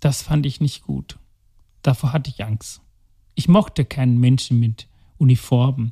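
The voice is somewhat breathy with a dark, mellow tone and ordinary pitch variation, moving at a fairly slow pace with long, frequent pauses in a dry, close sound with no echo. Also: man, medium pitch for a man. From Sri Lanka. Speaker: heart surgeon and author. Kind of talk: interview, personal life story.

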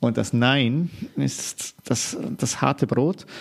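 A man talks with a strong Swiss German accent. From Switzerland. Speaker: business consultant, former CEO. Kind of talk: interview.

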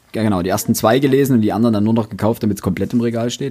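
At a very fast pace, a man talks in a dark, mellow tone with fairly even intonation. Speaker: podcast host. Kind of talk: casual chat.

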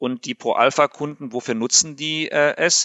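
A man is speaking. His pace is fairly slow. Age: 50s. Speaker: software company founder and CEO. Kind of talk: interview. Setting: studio. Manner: hesitant with many fillers.

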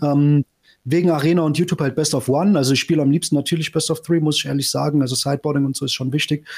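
A man talks at a very fast pace in a fairly high, somewhat breathy voice. His intonation stays fairly even. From Germany. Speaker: YouTube content creator. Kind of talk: casual chat.

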